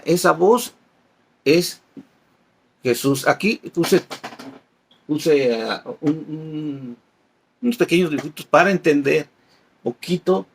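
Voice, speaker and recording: Creaky, husky male catechist teaching. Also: a little high, a bit bright. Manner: explains patiently, reads passages aloud and gives everyday examples. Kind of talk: Bible class.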